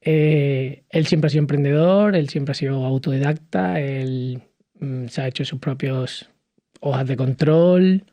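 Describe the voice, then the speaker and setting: A man from Cádiz in his thirties, speaking as a podcast guest in a lively conversational way, with frequent fillers and restarts. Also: medium pitch, a little slow, dry recording, muffled recording. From southern Spain, Cádiz. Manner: animated storytelling with many fillers and restarts. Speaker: podcast guest, hospitality entrepreneur. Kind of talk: conversational interview.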